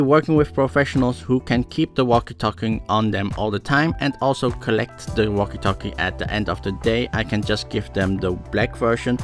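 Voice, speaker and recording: A man presenting a product review as scripted narration. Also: lowish voice. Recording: music behind the voice. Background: background music.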